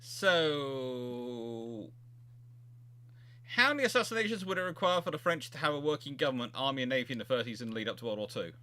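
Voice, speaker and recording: Halting man hosting history chat. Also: mid-range voice, lively intonation, pushed and bright, clean tone. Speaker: host, naval historian. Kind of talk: casual history chat with audience questions.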